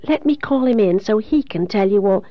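A woman's voice: medium pitch, animated, normal speed, no echo, dull audio, close to an everyday voice. A woman voicing a tender, protective motherly woman in an audiobook, soothing and urgently pleading. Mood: insistent, loving.

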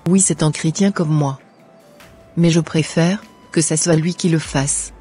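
A man voicing an earnest, forgiving young Christian woman in a cartoon, with measured, formal delivery. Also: a little high, steady tone, warm tone, lightly acted. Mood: earnest, polite. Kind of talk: scripted cartoon dialogue. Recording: music under the voice.

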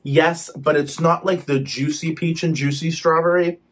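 A man's voice: fairly high pitch, fairly even intonation, moderate pace. Chatty young man reviewing wax scents. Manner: chatty, talks with his hands, sniffs products on camera. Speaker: home fragrance vlogger. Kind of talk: casual product review. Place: living room with shelves behind.

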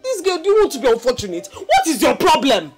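Nigerian mother for film drama: emphatic, highly animated delivery, music behind. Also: moderate pace. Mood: exasperated, scolding. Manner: emphatic, repeats rhetorical questions and tag words. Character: exasperated, scolding Nigerian mother who softens into reassurance.

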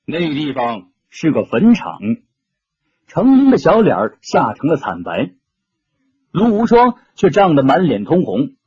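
A man's voice: on the high side, wildly swooping pitch, a little slow, a little mellow, slightly rough, no room sound, lo-fi sound. A man narrating an audiobook story dramatically, shifting his tone with the action.

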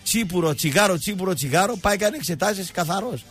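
A man's voice: high-pitched, expressive, slightly rough, soft background music. A male radio show host rambling through mocking, jokey sports banter.

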